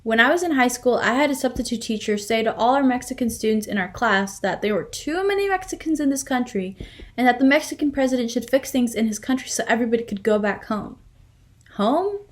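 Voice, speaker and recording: A woman's voice: fairly high pitch, expressive, a little fast. A young adult woman performing a scripted first-person monologue in a reader's theater style.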